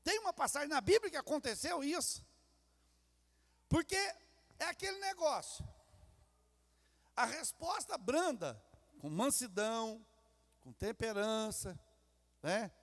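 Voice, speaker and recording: In a reverberant church sanctuary, a pastor with a Brazilian Portuguese accent preaches a sermon, acting out family quarrels in little character voices. His very high, slightly bright voice is very animated, and he speaks slowly with frequent pauses.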